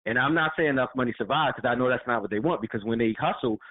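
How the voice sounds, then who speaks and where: A man's voice: mid-range voice, racing. Blunt man talking over a phone line. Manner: blunt, plain-spoken, agreeing with short interjections. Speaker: podcast co-host. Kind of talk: casual political discussion. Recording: tinny phone-line sound.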